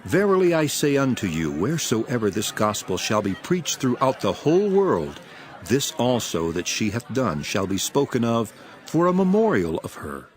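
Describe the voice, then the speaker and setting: An actor playing Jesus as a solemn, authoritative teacher, declaiming archaic scripture in a dramatized Bible audio production. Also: male voice, mid-range voice, wildly swooping pitch, normal speed. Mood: calm authority. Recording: music behind the voice. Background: background music.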